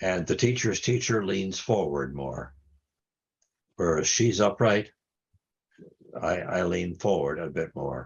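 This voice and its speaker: A man with an American accent and vocal fry, lively in intonation, at a fairly slow pace with long, frequent pauses. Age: 80s+. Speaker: philosopher. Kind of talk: Q&A conversation. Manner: halting.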